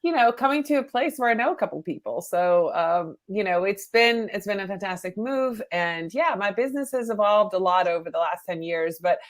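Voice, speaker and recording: A woman from the Netherlands with a Dutch accent, a guest on a talk show, speaking in an upbeat, warm, chatty way. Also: mid-range voice, fairly quick, few pauses. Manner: upbeat, warm, lively with laughs. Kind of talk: casual talk show conversation.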